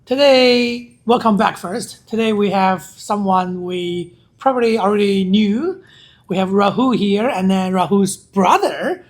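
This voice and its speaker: This host speaks English with a Chinese accent and a husky, slightly breathy tone. The questions come short and direct, often echoing an answer back to check it before moving on. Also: mid-range voice, measured pace. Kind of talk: casual interview.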